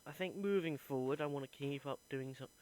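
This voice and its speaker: A man's voice: medium pitch, a little fast, darkish tone, poor audio. A young man, an acting student, earnestly recording a reflective voice diary and thinking aloud as he goes.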